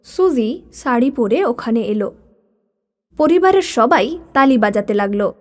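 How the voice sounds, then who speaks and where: A woman's voice: on the high side, expressive, measured pace. A woman narrating a children's cartoon story.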